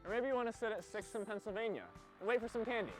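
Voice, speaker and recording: A man's voice: high-pitched, very fast. A young man, a student reporter, giving a playful, goofy walkthrough of a parade route outdoors on campus. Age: young adult. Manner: playful, goofy, shouting cheers. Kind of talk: upbeat field segment. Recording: music playing behind.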